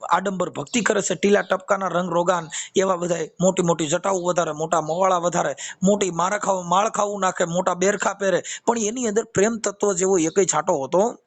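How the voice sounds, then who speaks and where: A man's voice: high-pitched, steady tone, brisk, few pauses. A man with a Kathiyawadi Gujarati accent giving an informal spiritual discourse on a phone call, preaching with quoted verses and repeated phrases. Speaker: devotional speaker with a YouTube channel.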